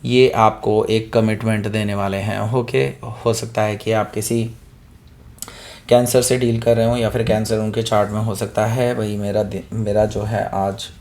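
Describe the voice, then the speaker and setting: A man with a hoarse throat giving a weekly tarot reading, talking straight to the viewer, often checking in with "okay?" and mixing in English words. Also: fairly low pitch, little pitch movement, a little slow, a little mellow. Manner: keeps asking "okay?" to the listener, mixes in English words. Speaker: tarot reader.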